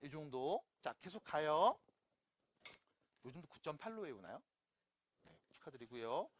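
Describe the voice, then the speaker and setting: In a husky, sing-song voice of medium pitch, a little slow, a math lecturer walks an online class through the material step by step. Rhetorical check-in questions and playful asides come up frequently.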